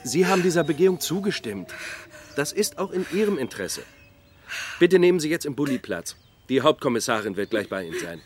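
An actor playing a brisk, insistent policeman in a German crime audio drama. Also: on the high side, very animated, background noise. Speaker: police officer.

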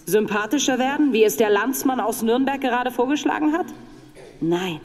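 A woman's voice: fairly high pitch, lively intonation, normal speed. An actress playing a provocative woman in her thirties giving a sarcastic, emphatic political speech in a radio drama. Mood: provocative, rousing. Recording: echoing large hall with crowd.

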